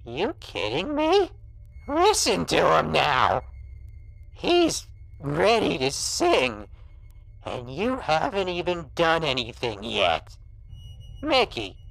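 An actor playing a sadistic, vengeful monster in a horror audio drama, with gravelly, mocking menace. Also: medium pitch, wildly swooping pitch, fairly bright tone, soft background music, full character voice, poor audio. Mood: mocking, goading. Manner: menacing, drawn-out, mocking taunts.

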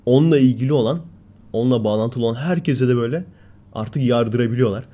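A man co-hosts a relaxed podcast conversation. His voice is warm and mellow, at a middle pitch. He tells stories with gusto, jumping up in pitch and volume when he acts out people shouting. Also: fast talker. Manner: animated storyteller, acts out quoted shouting. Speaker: podcast co-host. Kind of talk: casual chat, storytelling.

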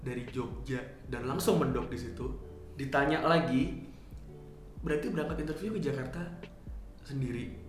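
A man's voice: mid-range voice, normal speed, pauses often, faint music behind. A young man from Yogyakarta, a podcast guest, talking in an earnest, confiding way and often repeating himself. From Yogyakarta, Indonesia. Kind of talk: casual podcast chat. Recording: very echoey room with faint ambience.

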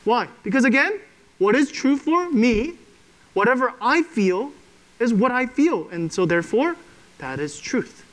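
A man's voice: very high-pitched, very animated, unhurried, fairly bright tone, rough recording. A man preaching a sermon to a congregation in a conversational way, often checking in with "okay?". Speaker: pastor.

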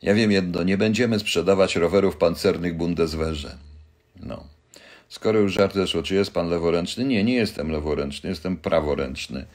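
Older guy rambling on a live stream, really deep voice, cracks jokes at the chat. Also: normal speed, darkish tone. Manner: rambling, joking, addresses viewers directly. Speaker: livestream host answering viewers.

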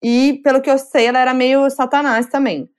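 A woman's voice: sits high, steady tone, a little fast, clean tone. A woman hosting a podcast, playful and chatty as she introduces the next segment. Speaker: podcast host. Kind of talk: casual podcast chat.

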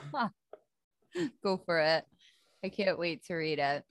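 A woman's voice: lowish voice, sing-song, slow pace, no echo, studio quality. A young woman from Poland co-hosting a podcast, chatting casually and giggling often. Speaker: podcast co-host. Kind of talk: casual chat.

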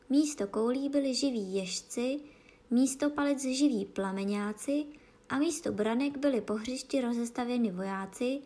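Storyteller, woman, calm storybook narration, slightly high voice. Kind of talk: children's storybook reading.

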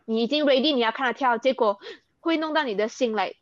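A young Malaysian woman, an athlete appearing as an interview guest, speaks Mandarin with a Malaysian accent and drops in English words as she earnestly recounts events in a candid interview. Her voice is a little high and fast, and the recording is dry and dull.

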